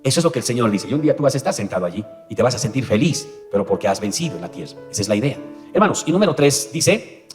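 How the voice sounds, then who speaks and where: A male pastor delivers a rapid sermon, building from plain talk to dramatic peaks. His voice carries a long reverb from the church hall, with faint music behind him. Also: very animated. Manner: preaching with dramatic rises in pitch and volume.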